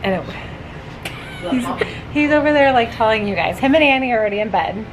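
A woman's voice: a little high, animated, fairly quick. A woman in her thirties chatting upbeat to the camera on a family road trip vlog, filmed at arm's length inside a car. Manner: chatty and upbeat, lots of fillers. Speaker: family vlogger. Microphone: handheld camera at arm's length. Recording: loud car noise. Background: road and engine noise.

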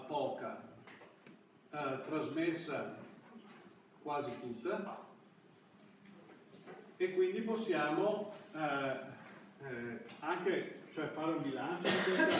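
Speaking a little high, this middle-aged man lectures at a university, stumbling hesitantly and cutting words short. He's recorded indoors in the classroom by a camera at the back, giving an echoey, faraway sound with noise behind it.

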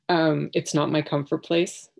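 A woman in her thirties sharing her thoughts on a video call from home, halting and searching for words, with many fillers and restarts. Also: deep voice, gravelly, a little mellow. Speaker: workshop participant. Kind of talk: hesitant reflective sharing. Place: home living room.

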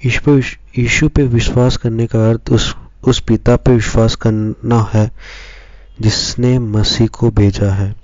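A man reading Scripture and preaching as a pastor, slow and measured in short phrases. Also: medium pitch, level tone, darkish tone, dry recording, lo-fi sound. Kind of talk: devotional Bible reading and sermon.

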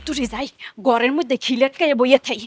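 A bossy scolding village wife. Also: female voice, high-pitched, steady tone, quick pace, no room sound. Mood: scheming. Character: scheming, sharp-tongued village wife. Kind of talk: village comedy drama acting.

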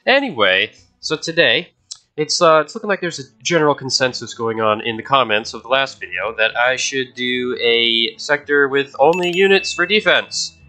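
Young guy w a cold, nasal and stuffed up, super bright voice, rambly game commentary. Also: mid-range voice, lively intonation, moderate pace. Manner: chatty, easily distracted, talks to viewers. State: sick, stuffy nose. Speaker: gaming video host. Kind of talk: casual gameplay commentary.

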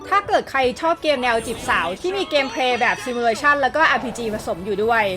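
A woman's voice: a little high, animated, brisk. A woman hosting a video list in an upbeat scripted narration, addressing viewers in a polite, friendly way. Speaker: video host presenting a game list. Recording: music behind the voice. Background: background music.

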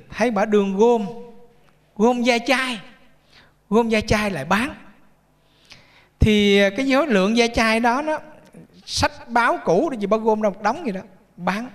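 A Buddhist monk gives a chatty, storytelling sermon, joking and asking his audience questions. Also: high-pitched. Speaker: Buddhist monk giving a dharma talk. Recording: reverberant temple hall.

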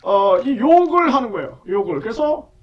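A man's voice: very high-pitched, very animated, normal speed, distant mic, muffled recording. A man hosting his own channel, delivering an indignant monologue commentary full of repeated fillers. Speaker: online channel host.

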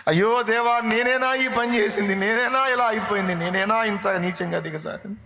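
A male preacher voicing a grief-stricken repentant king who begs God for forgiveness in high, wailing cries. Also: expressive, normal speed, creaky, bright, forceful tone, heavily acted. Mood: anguished pleading.

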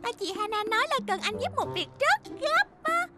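A woman voicing a small childlike bus in a children's cartoon, squeaky, pleading and earnest, with music behind. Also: very animated, normal speed. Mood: urging. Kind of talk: dubbed children's cartoon acting. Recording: loud background music.

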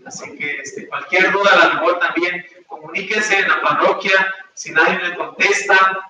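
A man's voice: on the high side, pushed and bright. A young man, a priest, leading mass prayers and making informal announcements with many fillers. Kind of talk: celebrating mass and giving announcements. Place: small chapel with altar, indoors. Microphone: far camera. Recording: echoey room from far off, faint noise.

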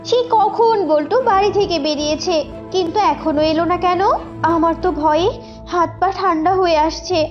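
Woman as an anxious, high-voiced fox wife. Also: moderate pace. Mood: worried. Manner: worried, pleading. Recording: dull lo-fi audio with loud music.

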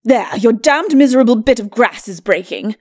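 A woman's voice: fairly high pitch, animated, moderate pace, a little mellow. Woman playing a skeleton nobleman, storybook character, sneering, quarrelsome husband, archaic lordly diction, very varied intonation. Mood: irritable, dismissive. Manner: haughty, mocking, archaic aristocratic speech. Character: bickering, sneering undead skeleton lord, a husband.

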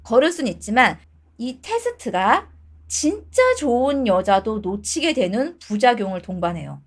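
A woman's voice: fairly high pitch, sing-song, normal speed. A woman in her thirties giving blunt dating advice to her viewers in casual talk, switching between polite and informal speech.

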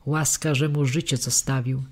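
A man's voice: a little high, steady tone, measured pace. A man voicing a proud, demanding young male noble heir in an audiobook. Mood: shouting. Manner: haughty, demanding.

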